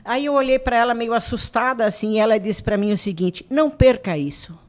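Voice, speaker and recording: A woman, president of an artisan association, telling animated stories in a radio interview and acting out quoted dialogue. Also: a little high, fairly quick. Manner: animated storyteller who acts out quoted dialogue.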